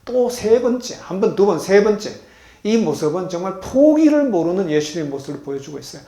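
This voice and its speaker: A man preaching a sermon as a pastor to a congregation at a healing retreat center. He asks the congregation questions and swings between loud and soft. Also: high-pitched, sing-song, a little fast. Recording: echoey hall.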